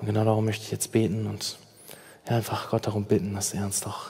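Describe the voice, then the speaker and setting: Over noticeable background noise, a man talks at a fairly quick pace in a monotone, flat intonation. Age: 20s. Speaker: youth preacher, medical student. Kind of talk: sermon. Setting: church service with live audience and livestream.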